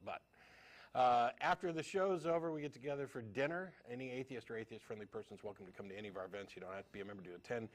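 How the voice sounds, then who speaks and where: A man's voice: medium pitch, quick pace. A man co-hosting a live call-in TV show, giving casual announcements before taking calls. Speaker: co-host.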